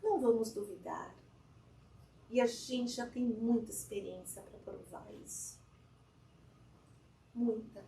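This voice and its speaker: A woman with a high voice gives a relaxed spiritual talk to a live audience. She keeps it conversational and often checks in with listeners as she goes. The sound is roomy and echoey, picked up from a distance in a hall. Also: slow pace, vocal fry, pauses often, a little hiss or hum. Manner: chatty, often asks the audience "né?". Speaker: guest speaker at a spiritist fellowship.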